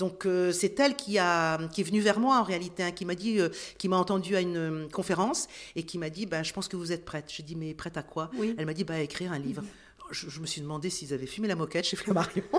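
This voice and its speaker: This woman talks at a very fast pace, her pitch fairly low with ordinary variation. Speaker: orchestra conductor and author. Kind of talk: interview. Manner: animated; halting, many fillers and repetitions.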